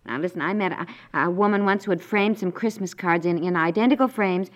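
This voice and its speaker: A woman playing a brisk, practical wife and mother in a naturalistic 1950s radio comedy, chatty and wry with gentle exasperation. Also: lowish voice, natural voice. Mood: brisk, rueful. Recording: dull vintage 1950s radio recording.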